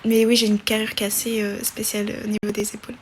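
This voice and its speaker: A woman's voice: medium pitch, monotone, fast, a little hiss or hum. A woman in her twenties hosting a casual live stream on her phone, reading viewer questions aloud and chatting back with many fillers and restarts. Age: 20s.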